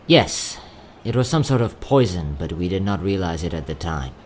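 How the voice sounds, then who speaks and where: A man playing a courteous, quietly sad young travelling merchant in a fantasy audio drama, speaking in polite, theatrical salesman's patter. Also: low-pitched, expressive, moderate pace, a little hiss or hum. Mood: grieving. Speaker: voice actor.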